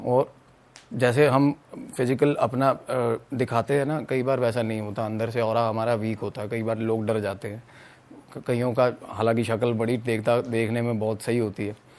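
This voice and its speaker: A man from Punjab, telling a story as a podcast guest in an animated way, mixing in English phrases. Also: medium pitch, moderate pace. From Punjab, India. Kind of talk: casual storytelling.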